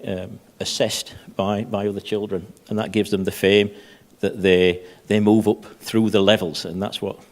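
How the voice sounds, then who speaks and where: Low-voiced man, halting conference panelist. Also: little pitch movement. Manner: halting, repeats words often. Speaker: panelist, head of safety. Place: conference stage.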